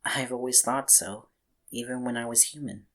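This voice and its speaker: A man playing a gentle but quietly firm young vampire in an audio drama, soft-spoken and hesitant. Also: medium pitch, steady tone, moderate pace, lightly acted. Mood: calm, loyal.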